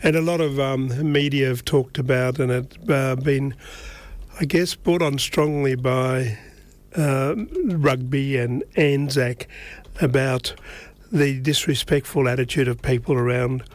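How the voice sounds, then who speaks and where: A man's voice: mid-range voice, steady tone, unhurried, dry recording. A man with an Aboriginal Australian accent hosting a radio show in a casual, conversational, rambling way. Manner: conversational, rambling, tags questions with eh. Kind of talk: casual radio presenting and interviewing.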